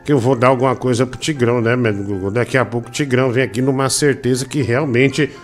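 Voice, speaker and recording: A man from Brazil, hosting a casual live stream, slangy and teasing at an unhurried pace. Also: mid-range voice, steady tone, soft background music. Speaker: livestream show host.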